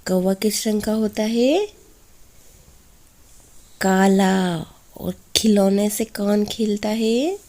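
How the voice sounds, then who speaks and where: A woman primary teacher giving a children's Hindi lesson, sounding out each syllable slowly and asking the class to repeat after her. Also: medium pitch, steady tone, dark tone.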